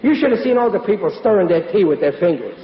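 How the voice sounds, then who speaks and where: An actor playing a bumbling, flustered middle-aged husband in a 1940s radio comedy, stammering in folksy talk. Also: male voice, sits high, expressive, quick pace, crowd noise. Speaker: lead in radio sitcom. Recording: echoey, lo-fi old radio broadcast. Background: studio audience and noise.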